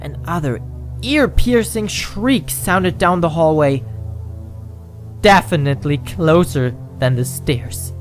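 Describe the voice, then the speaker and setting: A man's voice: fairly high pitch, animated, slow pace, faint music behind. A man narrating a first-person ghost story, dramatic and at times dropping to a whisper.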